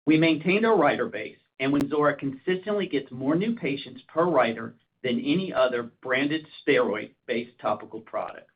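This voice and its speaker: A man, a senior executive, reading a scripted commercial update for an earnings call in a formal, businesslike way. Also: medium pitch. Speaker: chief operating officer. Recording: narrowband phone conference line.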